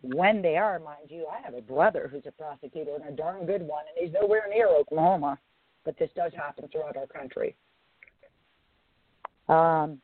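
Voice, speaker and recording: A woman hosting a live talk radio show in a low, raspy voice, speaking deliberately and leaning on phrases for emphasis. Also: no echo. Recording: tinny phone-line radio audio.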